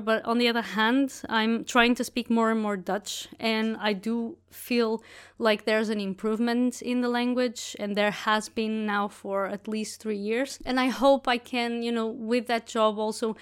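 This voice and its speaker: A woman's voice: on the high side, clear, resonant tone. A woman hosting her own podcast, reviewing the books she read in a casual, rambling way and often correcting herself mid-sentence. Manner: chatty, rambling, self-correcting. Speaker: podcast host. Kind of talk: casual monologue book review.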